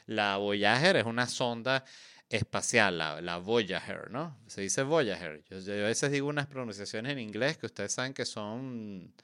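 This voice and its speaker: A man's voice: lowish voice, lively intonation, measured pace, sharp tone, clear, resonant tone. A man hosting a podcast, talking in a playful, joking, rambling way with lots of fillers. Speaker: podcast host. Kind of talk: casual chat.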